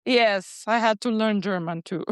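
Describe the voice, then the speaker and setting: A woman's voice: medium pitch, unhurried, smooth, no room sound, studio quality. A woman from Serbia with a Serbian accent, chatting casually as a podcast guest, hesitant as she searches for words. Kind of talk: casual chat.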